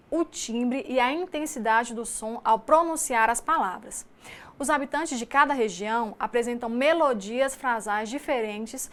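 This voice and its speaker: A woman with a Mineiro Brazilian accent, a teacher giving a recorded distance-learning lecture in a measured, explanatory way, reading lists item by item. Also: fairly high pitch, a bit bright. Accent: Mineiro Brazilian Portuguese. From Minas Gerais, Brazil.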